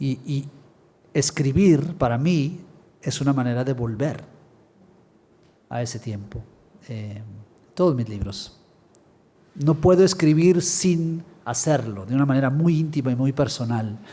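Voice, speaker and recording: This man talks at a fairly slow pace with long, frequent pauses, his pitch fairly high and its variation ordinary. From Guatemala. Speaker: writer. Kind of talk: panel talk.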